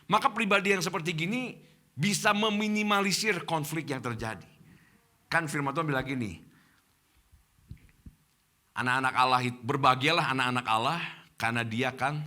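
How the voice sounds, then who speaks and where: Male pastor, Indonesian accent, middle-aged, sermon delivery, fairly high and very lively. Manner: addresses congregation as Bapak Ibu, animated preaching. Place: church.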